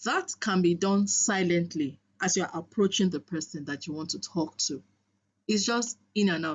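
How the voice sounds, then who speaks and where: Somewhat breathy, fairly low voice of a woman. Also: ordinary pitch variation, moderate pace. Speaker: public speaking coach. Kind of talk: workshop presentation. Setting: live-streamed online meeting.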